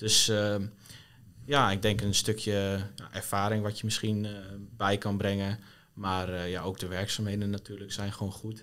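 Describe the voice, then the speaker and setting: Pausing long and often, a man speaks at a moderate pace in a fairly low pitch with monotone, flat intonation. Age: 20s. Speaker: communications intern. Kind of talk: casual chat.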